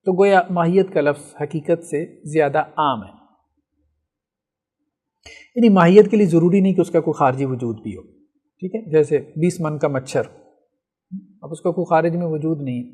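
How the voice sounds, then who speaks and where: A man's voice: fairly high pitch, long pauses, a little mellow. A man teaching a logic lesson, explaining step by step and answering his own questions. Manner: often checks with "theek hai". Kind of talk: classroom lecture.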